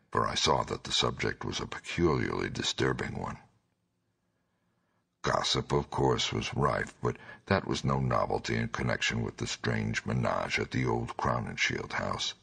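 A man with a gravelly voice narrating a scripted horror story as an audiobook. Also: rumbling low, unhurried, bright, forceful tone.

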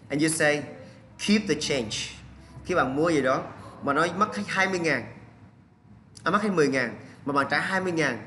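A man's voice: on the high side, sharp tone, a little hiss or hum. A man with a Vietnamese accent teaching English vocabulary, drilling pronunciation and switching between English and Vietnamese. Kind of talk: bilingual vocabulary lesson.

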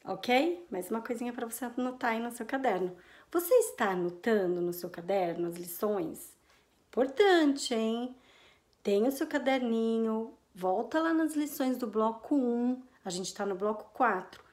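A woman's voice: fairly high pitch, lively intonation, measured pace, darkish tone. A Brazilian woman teaching English in a casual online lesson, checking in often with her students and drawing out her English example phrases. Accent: Brazilian Portuguese. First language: Portuguese. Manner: chatty, checks in often with "ok?" and "combinado?".

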